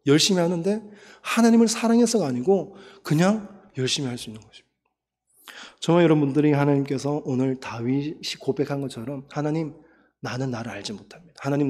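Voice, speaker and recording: A man preaching as a pastor, his fairly high but mellow voice pressing earnestly through the message. He leads the prayer with fervor. His words ring out with a long reverb through a church hall. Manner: earnest preaching, rising to fervent shouted prayer. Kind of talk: sermon and leading prayer. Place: church sanctuary.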